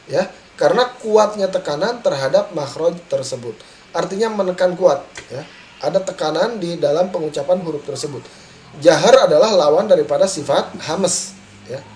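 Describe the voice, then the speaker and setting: A man's voice: high voice, a little mellow, a little hiss or hum. A man teaching a tajwid lesson, modelling letter sounds and tagging his points with a checking "ya". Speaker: Quran recitation teacher.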